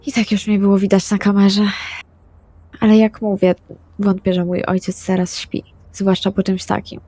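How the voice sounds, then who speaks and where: A woman's voice: mid-range voice, completely flat delivery, normal speed, dark tone, soft background music. A woman playing a tabletop role-playing game, improvising dialogue in character. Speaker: tabletop RPG player.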